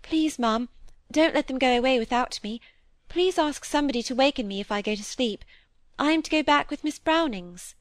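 A frightened little girl pleads in a high, quavering voice that lifts at the end of each line, as a woman narrator takes her part. The sound is close and dry, with no room around it. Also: animated, moderate pace, no room sound. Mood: pleading. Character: tearful anxious young girl. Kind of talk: audiobook character voice.

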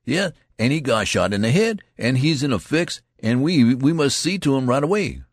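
A man voicing a loud, excitable young soldier who talks in high, breathless exclamations. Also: slow pace, creaky, husky, no echo, clean studio sound, full character voice. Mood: excited.

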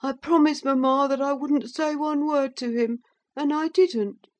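A woman's voice: on the high side, fairly even intonation, measured pace, mellow, pitched above the performer's own voice. A woman reading an audiobook, voicing a timid, well-bred boy with a whiny, tearful way of talking. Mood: sobbing. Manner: whiny, sobbing protest.

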